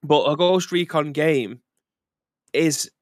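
A man's voice: a little high, slow pace, no echo, clean studio sound. A man co-hosting a video game podcast in casual chat, rambling and correcting himself as he thinks aloud. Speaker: podcast co-host.

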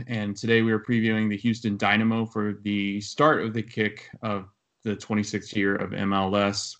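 A man co-hosting a casual soccer podcast, talking in a relaxed, hesitant way with many fillers. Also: fairly low pitch. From Florida. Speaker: podcast co-host. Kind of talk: casual sports podcast chat.

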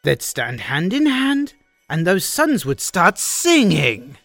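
A woman host narrating a rhyming holiday fan story in an expressive, sing-song, dramatic reading. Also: lowish voice, takes it slowly, vocal fry, no echo, studio quality, soft background music.

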